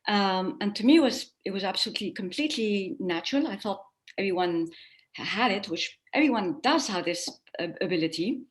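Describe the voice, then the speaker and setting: A woman guest recounting her own story in a loose, rambling way. She restarts her sentences and laughs lightly now and then. Her voice sits at a middle pitch. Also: animated, brisk. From born in America, raised in Spain and France. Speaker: guest, animal communicator. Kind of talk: conversational interview storytelling.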